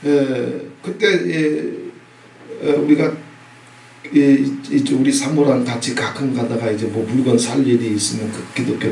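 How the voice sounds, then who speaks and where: Middle-aged male pastor, emphatic sermon with audience prompts, echoey church recorded from a distance. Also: mid-range voice. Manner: emphatic preaching with repeated "예?" prompts and sudden loud bursts. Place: church sanctuary. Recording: echoey hall, from a distance, faint noise.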